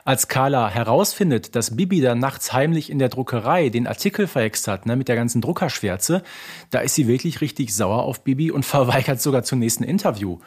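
A man's voice: medium pitch, expressive, brisk, darkish tone, breathy edge. A man co-hosting a podcast, chatting casually about characters from audio dramas. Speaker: podcast co-host.

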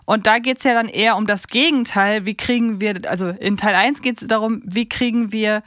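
A woman's voice: mid-range voice, fairly even intonation, moderate pace, fairly bright tone, no echo, studio quality. A woman co-hosting a podcast in a casual, conversational discussion. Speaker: podcast co-host.

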